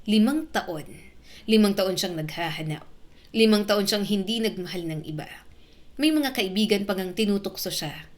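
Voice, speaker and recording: Woman storyteller, dramatic, emotional, measured pauses. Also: mid-range voice.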